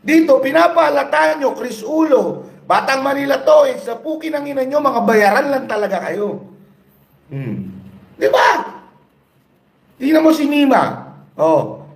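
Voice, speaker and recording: A man's voice: extremely high pitch, sing-song, unhurried, creaky, pauses often, echoey room. A man giving a profane, angry political rant with mocking rhetorical questions, recorded on a cellphone. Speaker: political vlogger. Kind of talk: profane ranting commentary.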